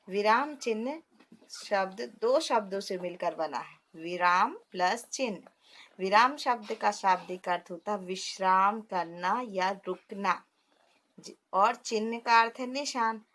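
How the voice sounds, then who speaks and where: A woman's voice: medium pitch, fairly bright tone. A woman teacher explaining a grammar lesson step by step, asking questions and answering them herself, slipping words into her speech.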